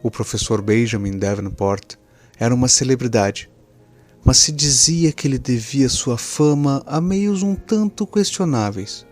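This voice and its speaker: A man's voice: medium pitch, animated, measured pace, a little mellow, faint music behind. A man with a Brazilian accent reading a scripted horror story as its narrator.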